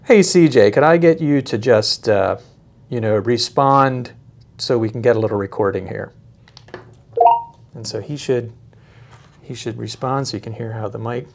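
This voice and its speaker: A man giving a casual, unscripted product demonstration, speaking haltingly as he thinks aloud. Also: mid-range voice, vocal fry.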